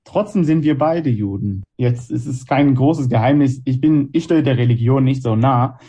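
A man in his late twenties from Israel, hosting a radio program with measured, rhetorical narration and interview questions. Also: mid-range voice, dark tone, slightly rough, dull audio. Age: 20s. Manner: measured, rhetorical, list-like delivery. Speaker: radio host.

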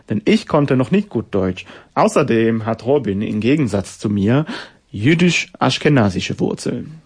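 A man in his late twenties from Israel, hosting a radio program with measured, rhetorical narration and interview questions. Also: mid-range voice, darkish tone, breathy edge. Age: 20s. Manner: measured, rhetorical, list-like delivery. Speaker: radio host.

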